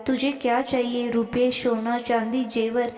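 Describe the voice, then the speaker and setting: Woman as impatient grown son, high, scolding tone, echoey room with long tail. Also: flat delivery, measured pace, a little mellow, lightly acted. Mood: challenging. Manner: scolding, complaining.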